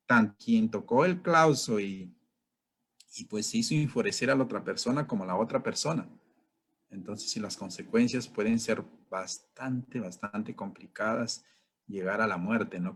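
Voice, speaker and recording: A man's voice: medium pitch, breathy edge. A man teaching an informal self-help lesson in a conversational way, often checking in with his listeners. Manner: conversational, keeps asking "right?", acts out angry drivers. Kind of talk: informal talk on personal growth.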